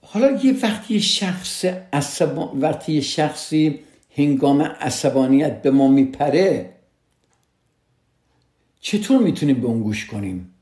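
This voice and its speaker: A man's voice: fairly high pitch, big pitch swings, darkish tone. Earnest man giving advice, roomy echo. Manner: earnest, addresses listeners directly and repeats key points. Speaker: radio host giving relationship advice. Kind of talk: casual advice talk on a podcast.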